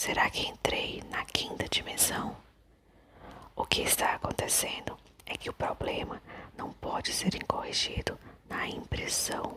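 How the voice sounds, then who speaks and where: Whispering in a calm tone, a woman speaks with long, frequent pauses over noticeable background noise. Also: fairly slow pace. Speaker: ASMR audiobook reader. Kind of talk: ASMR book reading, self-help. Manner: soft-spoken, whispered, calm.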